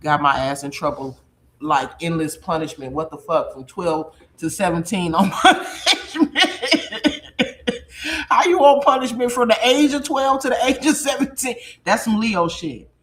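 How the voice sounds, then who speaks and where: Thirties woman from Chicago, streamer type, blunt and profane, quick to laugh, very animated. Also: on the low side, slight background noise. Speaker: livestream host reading chat. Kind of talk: casual livestream chat.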